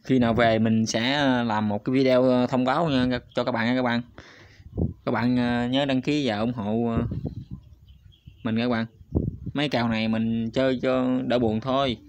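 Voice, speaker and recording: At a normal speed and level tone, a man with a mid-range voice walks his YouTube viewers through a casual screen recording. He hesitates often on fillers while chatting and addressing the audience constantly. The lo-fi audio sounds slightly dull, with a little hiss or hum.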